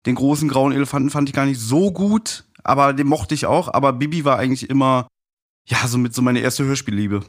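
Male podcast guest, medium pitch. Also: brisk. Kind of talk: casual personal storytelling.

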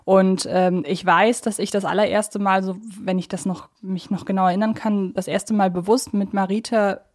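A woman's voice: mid-range voice, fairly even intonation, moderate pace, darkish tone. A woman co-hosting a podcast, chatting casually and a little hesitantly, often circling back to rephrase her points. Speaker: podcast co-host. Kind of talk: casual discussion of an audio drama series.

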